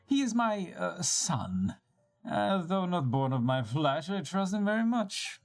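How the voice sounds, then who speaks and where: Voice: medium pitch, big pitch swings, measured pace, soft background music, pitched above the performer's own voice. A performer voicing a proud, weary parent who leads caravans, speaking fondly and formally. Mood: fond, wistful.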